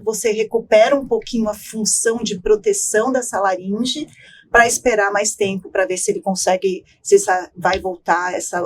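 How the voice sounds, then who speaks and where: Woman, doctor, podcast guest, calm explanations, medium pitch, faint background hiss. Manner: calm explanatory, many tag questions.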